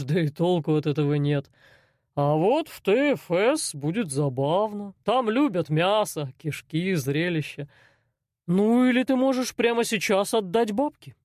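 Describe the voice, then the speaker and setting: A woman voicing a cold, menacing male loan shark boss in an audiobook, speaking slowly and mockingly. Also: lowish voice, animated, darkish tone, dry recording, clean studio sound. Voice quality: slow, drawling, mocking. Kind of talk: audiobook character voice.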